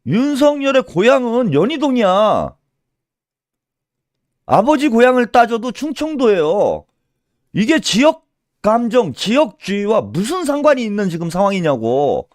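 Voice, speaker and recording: A man's voice: high voice, very animated, a little slow, no echo, studio quality. A man doing solo political commentary in a scolding tone, firing rhetorical questions and tagging them with a pushy "eh?".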